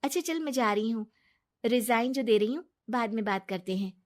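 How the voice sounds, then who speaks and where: Woman putting on high trusting young wife. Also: lively intonation, a little fast, close to an everyday voice. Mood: earnest. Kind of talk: cartoon story voice acting.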